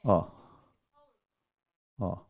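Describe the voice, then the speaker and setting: A man's voice: drawn-out words, dull audio. A male senior pastor, preaching a sermon in a church and quizzing the congregation with rhetorical questions. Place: church sanctuary.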